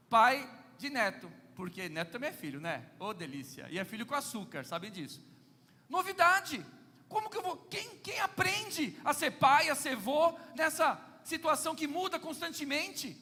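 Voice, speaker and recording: Middle-aged Brazilian pastor, very high bright voice, playful preacher, long church reverb. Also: male voice. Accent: Brazilian Portuguese. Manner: playful anecdotal preaching, often addressing the congregation. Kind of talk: sermon.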